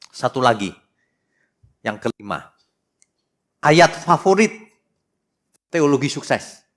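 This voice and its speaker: A middle-aged male pastor preaching a sermon in an animated, teasing way, putting questions to the congregation and reading scripture slowly and dramatically. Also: mid-range voice.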